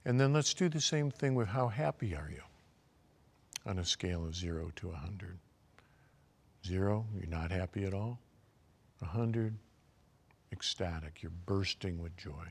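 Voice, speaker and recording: Older male doctor, deep voice, calm and measured, walks the listener through questions in a lecture. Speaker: physician giving a lecture. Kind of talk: recorded health lecture.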